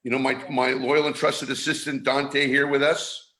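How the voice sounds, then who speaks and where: In casual live-stream talk, a middle-aged San Francisco man hosting an online show keeps restarting and using fillers. His mid-range voice has a sharp tone, moves little in pitch, and runs at a normal speed.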